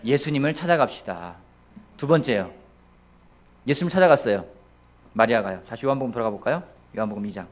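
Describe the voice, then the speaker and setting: A man's voice: mid-range voice, animated, quick pace, pauses often. A man in his thirties, a pastor preaching a sermon in a church, asking his congregation questions and acting out quotes playfully. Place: church sanctuary.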